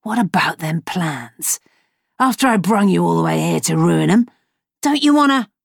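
Woman doing a gruff pirate deckhand. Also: lowish voice, lively intonation, moderate pace, no echo, studio quality. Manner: rough, ungrammatical dockside talk. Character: gruff, crude male pirate sailor, shapeshifter in disguise.

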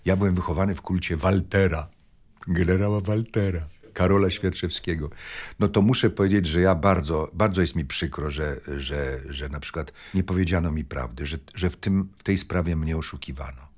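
A man's voice: deep voice, moderate pace, darkish tone, slightly rough. An older man, sixty or more, reflecting on his upbringing, hesitant and repeating his words. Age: 60s or older. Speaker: interviewee, former scout. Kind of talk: reflective reminiscence.

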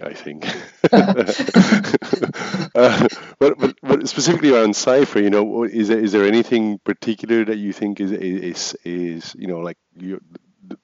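A man's voice: low voice, a little mellow, no echo. A man, a native Flemish speaker, hosting a podcast and asking rambling questions with many repeated words. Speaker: podcast host. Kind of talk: casual interview questions. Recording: dry, dull lo-fi sound.

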